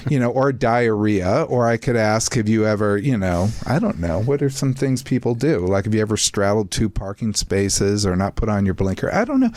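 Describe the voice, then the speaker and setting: A man's voice: lowish voice, a little mellow, dry recording. A man hosting a psychology talk show, explaining research in a chatty, self-deprecating way with asides to his co-hosts. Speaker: podcast host, psychologist. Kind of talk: casual explanatory chat.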